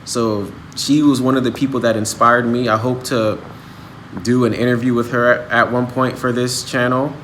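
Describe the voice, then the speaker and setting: Man, 30s, casual motivational vlog, mid pitch, faint background hum. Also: level tone, normal speed, a bit bright, low-quality recording. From United States. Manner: earnest, motivational, talks in restarts. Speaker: language-learning vlogger. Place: outdoors, then a restaurant.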